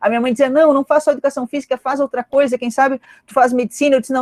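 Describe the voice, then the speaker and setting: The intonation is fairly even, and the sound is dry and close with no echo. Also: woman. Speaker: physiology professor and researcher. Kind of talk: panel talk. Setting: video call. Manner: hesitant, many fillers.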